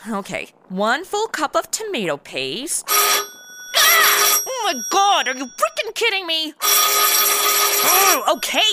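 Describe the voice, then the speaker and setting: A woman's voice: high voice, very noisy, exaggerated voice. A woman playing a flippant, slangy twenty-something in a comedic audio drama, exasperated and sassy. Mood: frantic, annoyed. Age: 20s. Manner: flippant, slangy, exasperated, valley-girl phrasing. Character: sassy modern twenty-something woman stuck in old radio noir.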